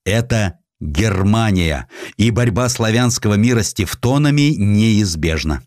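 Man acting a defiant general, audiobook drama, fairly deep, fervent patriotic oratory, deliberate, animated intonation, dry sound. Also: dry recording. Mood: grave, resolute.

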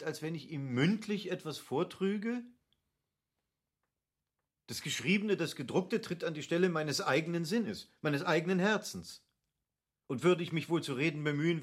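An actor playing an opinionated, cultivated gentleman in a classic radio play, speaking with emphatic, rhetorical phrasing. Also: on the high side. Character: opinionated, lecturing cultivated gentleman of Goethe's era.

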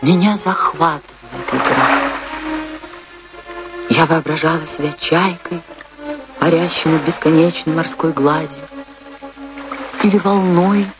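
A woman's voice: low-pitched, over loud music. An actress playing a dreamy, proud, passionate woman dancer recalling her life in a poetic, theatrical radio monologue. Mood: dreamy, wistful. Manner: dramatic, poetic, deliberate delivery with long pauses.

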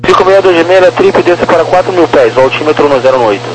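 A man's voice: on the high side, lively intonation, brisk. A man with a Brazilian accent giving procedural instructions as an air traffic controller over two-way radio, in a police radio style. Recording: noisy, humming airband radio.

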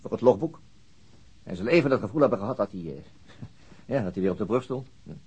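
An actor in a naturalistic radio drama plays a methodical, slightly weary police detective, hesitating as he thinks aloud while explaining and pondering. His voice is lowish, dark-toned, and expressive with a breathy edge, and he speaks a little fast.

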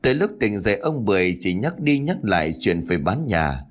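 A man narrating a scripted story in an expressive, dramatic way. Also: lowish voice, brisk. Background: faint background music.

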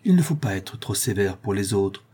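A man's voice: on the low side, normal speed, husky. A man reading an audiobook aloud, voicing a cheerful, talkative young Parisian seamstress. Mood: earnest. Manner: lively, affectionate, talkative.

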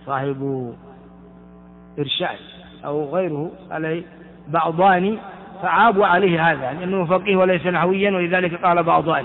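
A man teaching a classical Arabic grammar lesson, explaining step by step and asking and answering his own questions. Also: a little high. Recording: tinny phone-like sound with long reverb.

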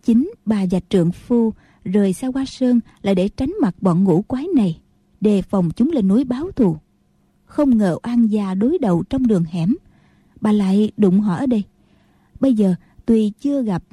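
A woman reads a martial-arts novel aloud in a very dark, mellow voice with a faint husky grain. She keeps a steady storytelling pace, and the sound is dry and close. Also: medium pitch, normal speed, dry recording. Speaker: narrator.

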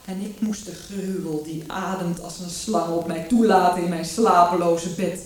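A woman's voice: lowish voice, fairly even intonation, moderate pace, close to an everyday voice. An actress playing a grief-stricken king's daughter consumed by hatred, declaiming solemnly in a classical tragedy for radio. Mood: bitter, haunted. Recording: echoey hall, distant microphone.

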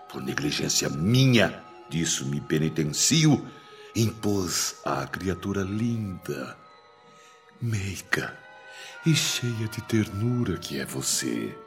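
A man's voice: sits low, full character voice. A male actor with a Brazilian accent playing a desperate, obsessive older businessman in a radio soap opera, declaiming in florid, pleading style.

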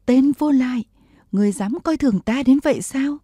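A woman's voice: medium pitch, measured pace, warm tone, husky, dry recording, studio quality. A woman reading the part of a proud, imprisoned woman general and mother, tender with her child and fierce toward her enemies. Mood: furious.

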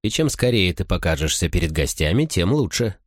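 A man voicing a calm, confident crew leader. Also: sits low, fairly quick, dry recording, clean studio sound. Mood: assured.

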